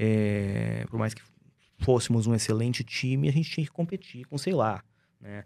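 With a dark, mellow tone at medium pitch, a man speaks at a moderate pace with lively intonation. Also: very clean recording, silent background. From Rio Grande do Sul, Brazil (Porto Alegre). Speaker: financial securities analyst. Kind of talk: podcast interview.

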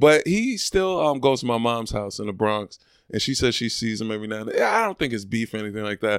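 A man's very fast, animated speech in a New York accent, medium in pitch with ordinary pitch variation, on a very clean recording with a silent background. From Brooklyn, New York (Brownsville). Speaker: comedian. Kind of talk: casual chat.

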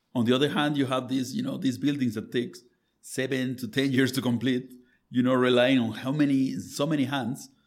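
A man with a Spanish accent talks fairly quickly at a medium pitch, keeping his intonation fairly even. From Mexico, Zamora, Michoacán. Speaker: design school director. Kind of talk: interview conversation. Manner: halting, frequent repetitions and fillers.

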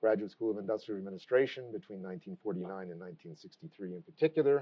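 A man's normal speaking voice with lively intonation. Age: 60s. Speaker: professor and book author. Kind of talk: book talk lecture.

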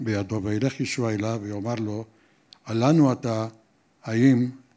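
This man's delivery is very slow, and his intonation stays fairly even throughout. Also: long, frequent pauses. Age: old. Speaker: congregation member. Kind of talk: testimony.

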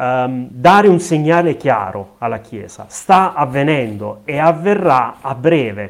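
A man's fairly high voice, very slow in pace, with lively intonation. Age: 30s. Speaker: pastor. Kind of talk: interview testimony. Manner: halting, frequent repetitions.

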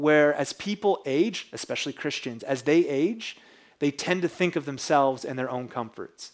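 A man talks in an ordinary speaking voice. His pitch is fairly high, and his pace is moderate. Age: 30s. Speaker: pastor. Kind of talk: sermon.

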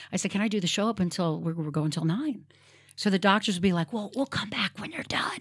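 In a somewhat breathy voice at a medium pitch, a woman speaks at a very fast pace with lively intonation. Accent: Central Pennsylvania. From Central Pennsylvania, Cumberland County. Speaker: radio host. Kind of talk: casual interview chat.

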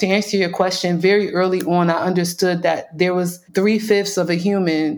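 A woman with an American accent, medium pitch and monotone, flat intonation at a moderate pace, on a very clean recording with a silent background. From northern US, family from the South. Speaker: rapper and hip hop archivist. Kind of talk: interview conversation.

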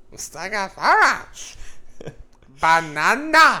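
A put-on character voice at a middle pitch makes very wide pitch swings. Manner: silly, gibberish.

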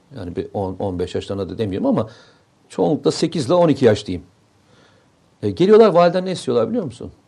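Very wide pitch swings mark this man's dark, mellow tone. He speaks at a fairly quick pace. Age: 50s. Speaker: security and defence commentator, author. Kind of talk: casual chat.

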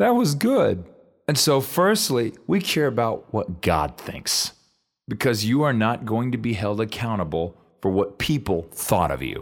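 On a very clean recording with a silent background, a man at medium pitch speaks with vocal fry and very wide pitch swings. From Latvia and Russia. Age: 30s. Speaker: worship leader and missionary. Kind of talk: sermon-style teaching ending in a fervent closing prayer. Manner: earnest, fervent, pleading, impassioned.

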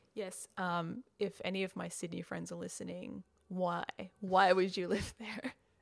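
This woman has an Australian accent. Her pace is fairly slow. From Western Australia. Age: 30s. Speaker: podcast host. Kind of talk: casual interview chat.

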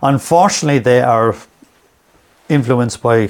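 In a Limerick accent, a man of medium pitch speaks with ordinary pitch variation. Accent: Limerick Irish. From Ireland, Limerick City. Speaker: artist and author. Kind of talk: interview. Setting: artist's studio. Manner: fast.

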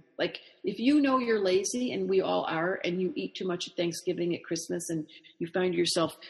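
Her voice is somewhat breathy and sits at a medium pitch. This woman's pitch swings very widely. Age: 60s. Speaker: astrologer and psychotherapist. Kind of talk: interview.

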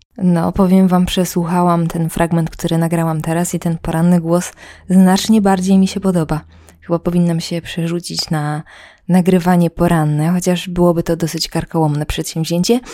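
Her tone is dark and mellow, her intonation flat and monotone. The woman speaks at a moderate pace. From Poland, Lublin region (Krasnystaw). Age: 30s. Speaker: podcast host. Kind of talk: casual solo monologue. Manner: chatty.

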